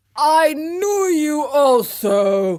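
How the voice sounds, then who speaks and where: This put-on character voice is pitched high. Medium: read story. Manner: gentle, wondering.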